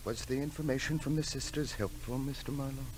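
An actor playing a gentle, solemn Catholic priest with formal, deliberate, pausing speech in a 1940s radio drama. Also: male voice, medium pitch, steady tone, slight background noise, natural voice. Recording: old radio drama recording.

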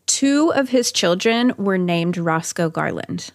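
A woman's voice: on the low side, lively intonation, slow pace, dry recording. Woman podcast host doing true crime storytelling, chatty little asides, dry studio-like sound. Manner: chatty asides amid narration.

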